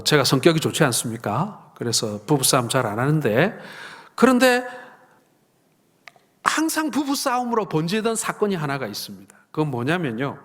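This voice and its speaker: A middle-aged man preaching a sermon as pastor, telling lively stories and acting out family dialogue. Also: medium pitch. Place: church sanctuary. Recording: long reverb of a church hall.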